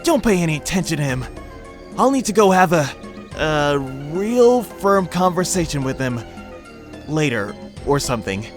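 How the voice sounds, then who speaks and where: A man's voice: a little high, very animated, normal speed, faint music behind. A man playing a cocky, boastful young gorilla who is full of himself, in an audio drama. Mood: annoyed, defensive. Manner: boastful, self-important. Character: cocky, boastful young male gorilla, would-be island ruler. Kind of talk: audio drama character acting.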